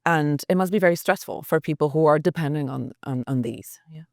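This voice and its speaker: A woman's voice: low voice, brisk, a little mellow, no room sound, clean studio sound. A woman journalist as a podcast guest, talking earnestly and thinking aloud with restarts. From United States. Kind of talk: reflective podcast interview.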